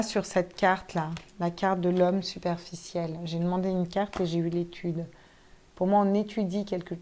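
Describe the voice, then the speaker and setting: A woman's voice: on the low side, mellow, slight background noise. A woman giving a casual tarot reading to viewers, chatty and thinking aloud, with some casual swearing. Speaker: tarot card reader.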